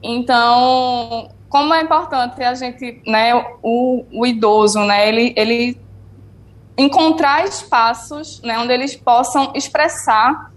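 A woman psychologist speaks slowly over a remote connection on a radio program, in a slightly high voice. She is hesitant and pads her thoughts with fillers and "né". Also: fairly even intonation. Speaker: psychologist guest. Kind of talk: explaining on a radio show.

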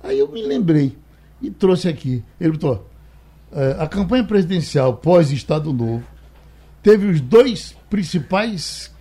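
A man with a Brazilian accent hosting a radio show, talking casually and haltingly as he tells anecdotes and reads a note. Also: fairly high pitch, big pitch swings, warm tone, slightly rough. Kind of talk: casual talk, reading a note aloud.

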